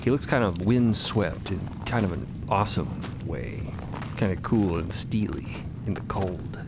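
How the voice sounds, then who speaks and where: A man's voice: sits low, expressive, unhurried, background noise. A man co-narrating a fiction podcast in a wry, conversational, emphatic way. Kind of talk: playful improvised-sounding story narration. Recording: loud music bed under narration.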